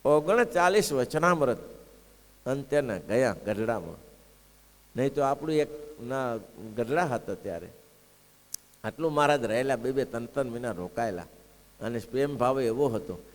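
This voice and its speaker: A man's voice: mid-range voice, lively intonation, moderate pace, pauses often. A man giving a devotional sermon. He tells stories, acts out the characters and keeps asking his listeners rhetorical questions. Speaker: preacher. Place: gurukul assembly hall. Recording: long hall reverb.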